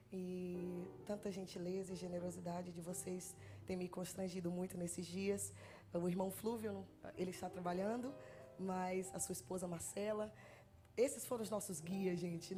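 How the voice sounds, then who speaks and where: A woman's voice: mid-range voice, dark tone. A woman from Bahia with a Bahian accent, a guest preacher in her thirties, nervously chatting and joking with the congregation into a handheld mic before her sermon. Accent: Bahian Portuguese. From Bahia, Brazil. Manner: chatty, self-deprecating, jokes with the congregation. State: nervous, trembling. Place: church sanctuary.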